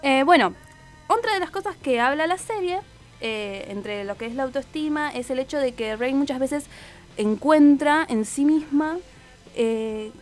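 A woman's voice: high-pitched, lively intonation, unhurried. A woman hosting a radio show, chatting casually with many fillers and self-corrections. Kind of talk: casual radio chat about a TV series.

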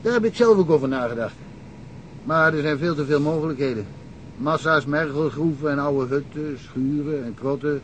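A wry, talkative small-town cop, played by a man rambles through old cases with a dry chuckle. His voice sits a little high, with a faint hiss behind it. It is a radio play. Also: moderate pace, close to an everyday voice, poor audio. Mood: amused, chatty. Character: chatty provincial cop, male, middle-aged, wry. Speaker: local police detective. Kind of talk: radio drama acting.

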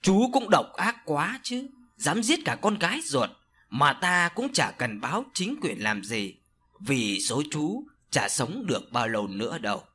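A man voicing an older village sorcerer who speaks slowly and solemnly in an audio story. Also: fairly high pitch, sing-song, pushed and bright, slight background noise, full character voice. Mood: grave. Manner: slow, solemn, scolding. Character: older male village sorcerer, stern and grave.

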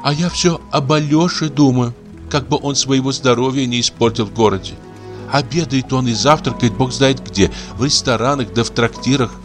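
A man's voice: medium pitch, moderate pace, faint music behind, natural voice. A man voicing an anxious young wife, pleading and breaking into sobbing cries. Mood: whispered worry.

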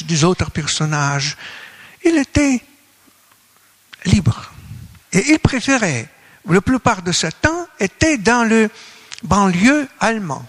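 High-voiced Russian man lecturing haltingly in French. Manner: halting, searching for words in non-native French. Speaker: academic speaker at a colloquium. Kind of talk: conference lecture.

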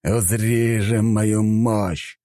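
A man doing a bitter villain hungry for power, a little higher than his plain reading voice but still deep and dark in tone. He spits his lines slowly through gritted teeth. The sound is close and dry. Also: steady tone, no room sound. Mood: furious. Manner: slow, clenched, snarling delivery.

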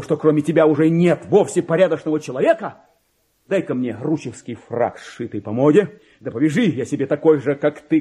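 A man's voice: mid-range voice, warm tone, slightly rough. An actor playing a vain, resentful middle-aged clerk in a radio play, pompous and exclamatory, as if muttering his diary to himself. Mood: boastful. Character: petty forty-two-year-old male clerk, vain, resentful, self-important. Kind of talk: theatrical radio play monologue, diary read aloud.

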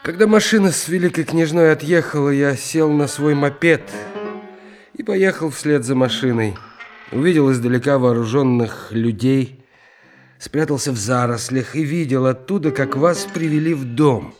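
An actor in an audio play voicing an earnest, gallant young unlucky artist who plays sleuth, telling his story theatrically with expressive pauses. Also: mid-range voice, soft background music, natural voice. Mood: eager recounting. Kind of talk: theatrical audio drama acting.

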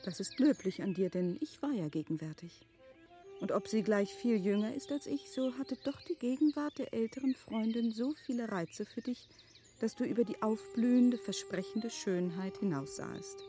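An actress playing a thoughtful, cautious married gentlewoman in a literary radio drama, speaking in measured, eloquent, formal phrases. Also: on the high side, faint music behind, lightly acted. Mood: gently affectionate. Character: thoughtful, cautious married gentlewoman, yielding yet clear-sighted.

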